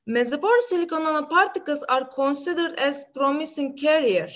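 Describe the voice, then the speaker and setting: A woman's voice: high-pitched, lively intonation, a little fast, a bit bright. A young woman, giving a hesitant academic presentation over a video call with many fillers. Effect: heard over a video call. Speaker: conference presenter, master's student.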